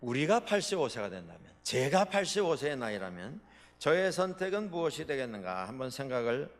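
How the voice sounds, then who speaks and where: A male pastor preaching a sermon, with dramatic swings between loud proclamations and quiet asides. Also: high-pitched. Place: church sanctuary. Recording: long reverb of a large hall.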